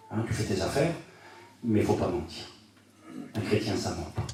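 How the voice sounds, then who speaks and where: A man talks at a fairly low pitch and a moderate pace. Noticeable background noise and audible room echo surround him. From France. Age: 40s. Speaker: pastor. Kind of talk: sermon. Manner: animated.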